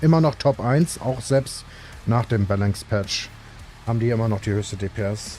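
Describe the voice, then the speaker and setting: There is noticeable background noise behind a man's voice. He moves at a fairly quick pace, with ordinary pitch variation. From Germany. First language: German. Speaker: gaming streamer. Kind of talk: casual live-stream chat with viewers. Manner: halting, with filler words.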